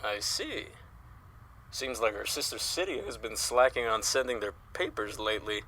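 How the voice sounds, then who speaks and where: Man playing bright, jovial, effusive office colleague. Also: lowish voice, animated, normal speed. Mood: cheerful. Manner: cheery, effusive, courtly. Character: jovial, folksy male newspaper office colleague. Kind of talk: audio drama dialogue.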